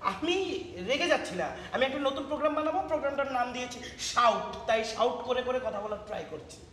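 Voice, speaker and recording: A man's voice: very high voice, fast, pushed and bright, a little hiss or hum. An actor playing an irritable young man who answers with sarcastic jabs. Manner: sarcastic, snappish. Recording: echoey room with music.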